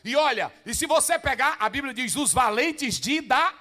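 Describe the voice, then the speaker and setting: A pastor preaching to pastors, swinging between loud shouted passages and low asides and firing rhetorical questions at the listeners. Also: male voice, lively intonation, normal speed. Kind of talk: Pentecostal-style preaching to pastors.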